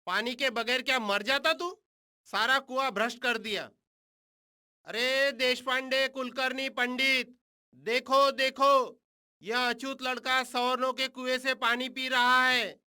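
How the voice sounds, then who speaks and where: A haughty villager who chases a boy from a well in an animated film. The tone is high and sharp-edged, and she speaks with open contempt. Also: normal speed. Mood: contemptuous. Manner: contemptuous, shouting for others. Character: scornful high-caste villager guarding a well.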